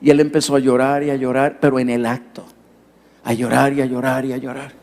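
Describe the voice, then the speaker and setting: A man's voice: mid-range voice, flat delivery, fairly quick, darkish tone. A male pastor preaching a sermon in a storytelling manner, turning to the audience with direct questions. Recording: long hall reverb.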